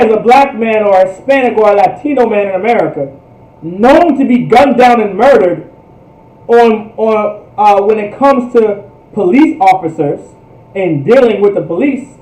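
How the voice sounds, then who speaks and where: A man's voice: high-pitched, expressive, moderate pace, a little mellow. A man teaching in a fervent preaching style, emphatic, with repetitive, rhetorical phrasing. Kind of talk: fervent religious history teaching. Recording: echoey room, distant microphone.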